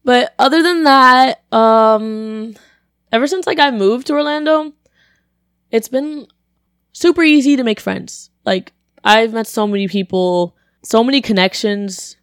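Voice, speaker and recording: A young woman, a college student, telling a story in casual chat, her voice deeper than usual and a bit congested, with lots of "like" and acted-out quotes. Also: measured pace, clear, resonant tone, dry recording, studio quality. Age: young adult. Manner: chatty, animated, lots of "like", acts out quotes.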